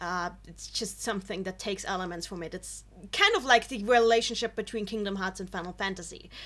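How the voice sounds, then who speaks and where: Speaking at a fairly quick pace with a non-native accent, a woman uses a bright, sharp tone at medium pitch, with vocal fry, fairly even intonation and big swings in loudness. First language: not English. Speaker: video reaction commentator. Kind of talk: reaction commentary. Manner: halting.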